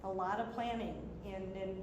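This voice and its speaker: A woman's voice: mid-range voice, fairly even intonation, moderate pace. A woman guest on a live show, talking about her rescue group in a rambling, hesitant way. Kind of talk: casual interview chat. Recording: echoey room with background noise.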